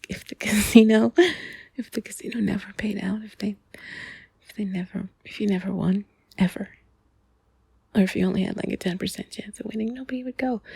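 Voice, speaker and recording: A woman whispering softly and intimately in a breathy, husky voice, close to the mic, confiding in a rambling ASMR monologue. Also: medium pitch, dry recording. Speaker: intimate audio host.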